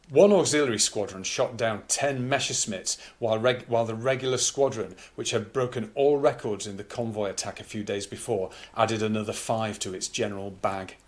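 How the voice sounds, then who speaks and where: A man presenting, reading old news aloud and adding conversational, explanatory asides. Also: medium pitch. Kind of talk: reading aloud with informal commentary.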